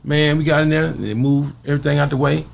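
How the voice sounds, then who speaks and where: Speaking fast with a fairly high pitch that barely moves, this man has noticeable vocal fry. He's an interview guest from Arkansas in the Southern US with a Southern Black accent, spinning a casual, colloquial tale and performing people's lines.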